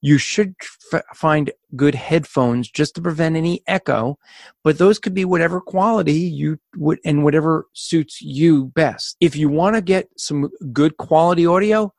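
A man co-hosting a podcast, explaining recording gear in a casual instructional way with a loud, carrying voice and energetic delivery. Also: a little high, moderate pace, vocal fry, no echo, clean studio sound. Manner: energetic, explanatory, addresses listeners as folks. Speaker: podcast co-host.

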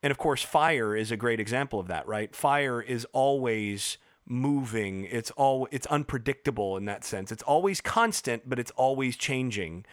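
A man explaining ideas in a casual podcast discussion, professorial and halting, with frequent restarts and fillers. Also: mid-range voice, expressive, no room sound, clean studio sound. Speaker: podcast co-host.

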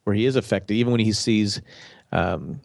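A man's voice: on the low side, normal speed, vocal fry, a little mellow, no echo, studio quality. A congested man with a nasal voice, co-hosting a casual TV podcast and rambling through his theory with many restarts. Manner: rambling, restarts mid-sentence. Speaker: podcast co-host. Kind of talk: casual TV discussion.

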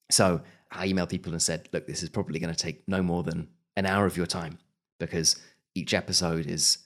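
Low-voiced British man, reflective. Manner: thoughtful, frequent restarts and small laughs. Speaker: podcast host and audio drama producer. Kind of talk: casual interview talk.

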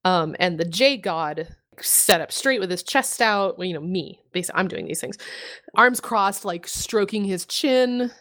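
A woman co-hosting a podcast in loose, casual chat. She laughs often, swears freely and tells animated stories. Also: medium pitch, measured pace. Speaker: podcast co-host.

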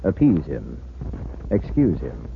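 A man narrating a 1940s radio drama in a booming, urgent, declamatory way, heard from an old broadcast recording. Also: wildly swooping pitch, slow pace, vocal fry. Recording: tinny scratchy 1940s radio recording with faint hiss.

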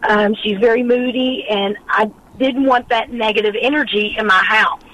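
A woman's voice: a little high, fairly even intonation, normal speed, a bit bright, a little hiss or hum, low-quality recording. Insistent woman calling from car speakerphone. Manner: insistent, repeats herself, cuts in. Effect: car speakerphone call while driving. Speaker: caller. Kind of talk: call-in advice radio. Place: moving car on the freeway. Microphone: phone in a car.

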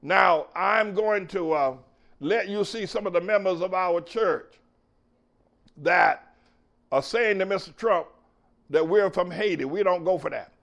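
A man's voice: sits high, a little slow, gravelly, pauses often, fairly bright tone. A man hosting his own show as a pastor, preaching emphatically, repeating phrases and calling cues to his engineer. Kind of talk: preaching talk show monologue.

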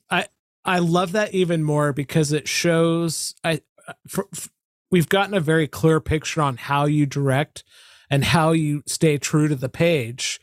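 A man's voice: on the high side, dry recording, studio quality. A man interviewing a filmmaker, asking appreciative, enthusiastic questions in a casual chat.

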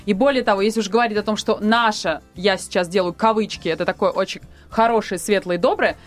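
A woman, a guest on a radio talk show, arguing her case in a lively, persuasive way. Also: medium pitch, fast talker, soft background music. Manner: animated, persuasive, addresses others directly. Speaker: studio guest. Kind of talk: radio panel discussion. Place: radio studio.

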